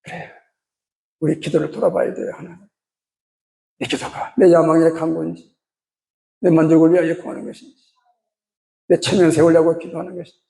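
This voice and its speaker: A male pastor preaching a fervent sermon, pressing his points with rhetorical questions. His voice sits high for a man and carries a gravelly, fried edge. He speaks with earnest emphasis throughout. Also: level tone, a little fast, pauses often, dark tone.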